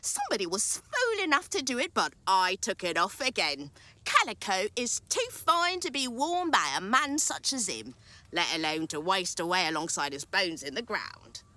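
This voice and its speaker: A woman's voice: mid-range voice, sing-song, moderate pace, sharp tone, dry recording. A woman playing a gloating, callous servant thief with sly relish in a Victorian radio drama. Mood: scornful. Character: brazen, gloating female thieving servant in Victorian slum. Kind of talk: theatrical radio play acting.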